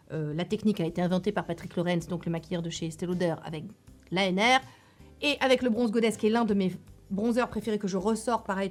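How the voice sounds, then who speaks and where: A woman with a medium-pitched, somewhat dark voice chats casually on her beauty YouTube channel, reviewing products. She's enthusiastic, using lots of fillers and restarting her sentences often.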